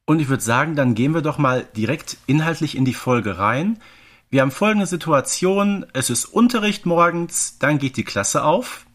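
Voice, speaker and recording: A man's voice: fairly high pitch, expressive, normal speed, a bit bright. A man co-hosting a podcast, explaining things in a casual but methodical, informative way. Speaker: podcast co-host.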